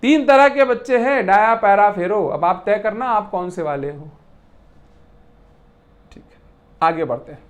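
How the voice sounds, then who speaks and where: A physics teacher giving a lecture, explaining in an animated way with repeated points, rhetorical questions and playful classroom comparisons, mixing English technical terms into the talk. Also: medium pitch, measured pace, pauses often. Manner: mixes English technical terms into Hindi speech.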